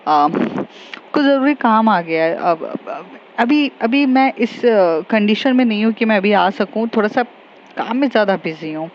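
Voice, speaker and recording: A woman's voice: medium pitch, lively intonation, normal speed, natural voice. A woman voicing an upset young woman who hides her tears and mixes English into her Hindi. The recording is slightly dull, with faint noise behind. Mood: evasive.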